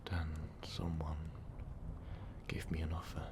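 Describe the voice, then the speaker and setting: A man playing an ancient, brooding vampire overlord in an intimate ASMR roleplay, speaking in a weary, halting, breathy whisper. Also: completely flat delivery, background noise, heavily acted. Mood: somber, reminiscing. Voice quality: breathy, gravelly low whisper. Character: ancient, brooding male vampire overlord, tormented former rebel.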